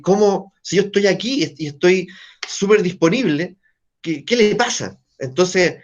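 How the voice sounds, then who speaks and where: A teacher with a Chilean Spanish accent gives an online class in a conversational style, pausing often to make sure students are following. His voice is a little high for a man, and the audio sounds dull and lo-fi, like a video call.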